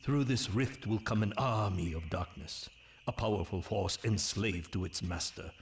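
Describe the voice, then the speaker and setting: An actor playing a solemn tribal storyteller, narrating dark legends for a fantasy game in a grave, portentous, theatrical manner. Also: male voice, fairly low pitch, normal speed, creaky, slight background noise. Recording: music behind the voice. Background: prominent music.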